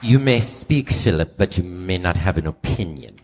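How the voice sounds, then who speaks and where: A man playing a regal, haughty older queen in a live comedic radio play, speaking in a measured, condescending way. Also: low-pitched, expressive. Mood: imperious. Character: regal, haughty elderly English queen, drily disapproving. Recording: noisy live theater stage recording.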